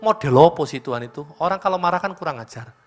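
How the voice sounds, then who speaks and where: A man's voice: a little high, fast, faint music behind. A male pastor with an East Javanese accent preaching at a church service, telling a story and speaking straight to the congregation. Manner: lively storytelling, addressing the congregation directly. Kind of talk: sermon.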